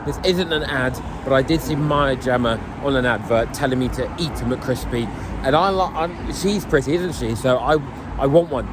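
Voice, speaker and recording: A man's voice: medium pitch, moderate pace, background noise. A young British man talking casually in a vlog, with a dry, tongue-in-cheek, sweary way of speaking. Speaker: vlogger. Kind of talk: casual first-person vlog to camera.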